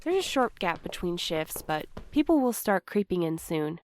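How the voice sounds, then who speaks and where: A woman playing an anxious, apologetic young postal worker in a fiction podcast, earnest and halting in her delivery. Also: on the low side, big pitch swings, a little mellow, slight background noise. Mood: fond, hushed. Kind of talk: fiction podcast audio drama acting.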